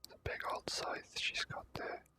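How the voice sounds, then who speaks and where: An ASMR gaming host giving casual, drawn-out gameplay commentary in whispers. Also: sharp tone.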